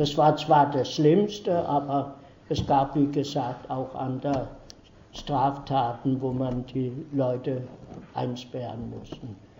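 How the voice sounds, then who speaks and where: A man with a Danish accent speaks very slowly in a fairly high pitch, his intonation fairly even, with audible room echo. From Denmark. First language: Danish (speaking German). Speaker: Holocaust survivor and contemporary witness. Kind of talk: lecture. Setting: university lecture hall with audience. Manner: halting.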